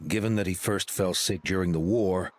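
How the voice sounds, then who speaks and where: Man playing a steady, lowish-voiced tribal chief. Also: a little hiss or hum, natural voice. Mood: earnest. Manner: measured, formal, supportive. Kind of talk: video game voice acting.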